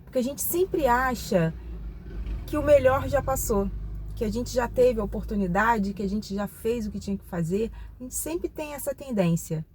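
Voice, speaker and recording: Lively intonation marks this fairly high, darkish voice, delivered at a normal pace over slight background noise. The speaker, a Brazilian channel host in her forties with a Brazilian Portuguese accent, confides reflectively in her viewers during a casual personal vlog, using many tag questions.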